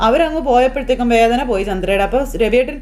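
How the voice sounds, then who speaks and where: A woman casually retells a TV serial episode in a chatty storytelling voice. She talks very fast with a slightly high pitch and rushes from one line to the next. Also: lively intonation, darkish tone.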